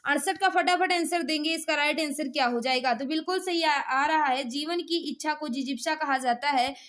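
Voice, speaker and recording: A woman's voice: high-pitched, moderate pace, a bit bright. An Indian woman teacher running a live exam quiz, reading out questions and answers in a repetitive, instructional way and prompting students.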